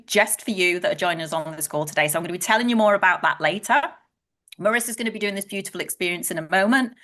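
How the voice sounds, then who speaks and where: A woman's voice: fairly low pitch, a bit bright. A woman from Wales hosting a live online webinar, chatty and enthusiastic, welcoming viewers and reading out their messages. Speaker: webinar host, head of publicity.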